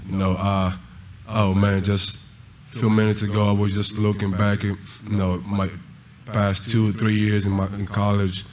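A man's voice: on the low side, flat delivery, moderate pace, hardly any pauses, a little mellow. A young man and college basketball player giving heartfelt postgame answers, searching for words and repeating himself, into a table mic. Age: young adult. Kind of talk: postgame press conference answers. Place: press conference room.

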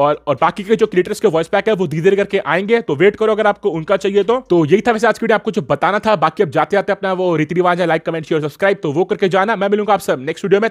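A man with an Indian accent doing a casual gaming news voice-over as a YouTuber. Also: high-pitched.

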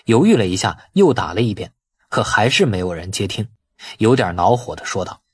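A man's voice: fairly low pitch, sing-song, fairly quick, husky, no room sound. A man narrating a novel as an audiobook in a scripted storytelling style.

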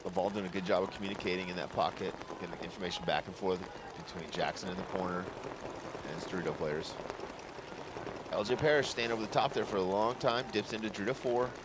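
A man with a very deep voice gives color commentary on a live match. He breaks down the tactics in a measured, explanatory way. Clear outdoor noise and traffic hum sit behind him. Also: fairly even intonation. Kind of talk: live sports analysis. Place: outdoor paintball field.

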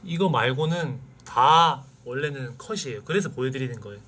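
A man's voice: mid-range voice, lively intonation, normal speed, fairly bright tone, breathy edge. A man co-hosting a stream, presenting clips in casual, polite chat.

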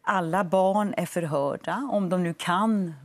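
A woman in her forties, a lawyer and studio guest on a morning TV show, explaining in a measured, firm way on a lapel mic. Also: on the low side. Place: TV studio set.

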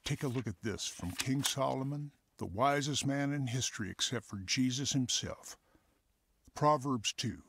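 A man's voice: medium pitch, moderate pace, a bit bright, a little hiss or hum, natural voice. Man playing an earnest Christian counselor. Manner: earnest, teaching. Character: warm fatherly Christian counselor. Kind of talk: radio drama acting.

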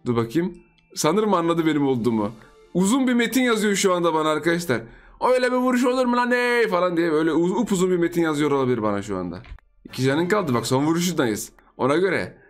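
Excitable young man teasing over gameplay. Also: a little high, quick pace, faint music behind. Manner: excitable, teasing, laughs often. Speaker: gaming YouTuber. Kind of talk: live gameplay commentary.

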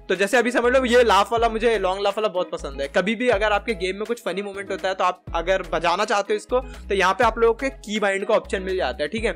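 A man, giving a casual, chatty software tutorial for gamers. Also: sits high. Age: 20s. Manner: informal, chatty, Hindi mixed with English tech words. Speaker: video tutorial presenter. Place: indoor room at a gaming chair, voice over screen capture. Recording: music behind the voice.

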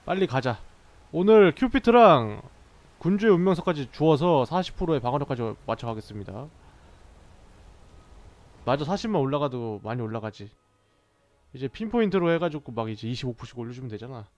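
A man's voice: medium pitch, lively intonation, brisk, long pauses, a little mellow, dry recording. A man giving casual let's-play commentary as a gaming streamer, joking and bantering with the characters on screen, recorded on a dull lo-fi mic.

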